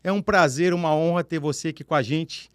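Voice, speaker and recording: A man hosts a radio talk show, his voice set noticeably high. He chats in long, winding sentences. The studio sound is dry and close. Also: brisk, dry recording. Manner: chatty, talks in long run-on sentences. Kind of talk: radio interview, reading guest bio.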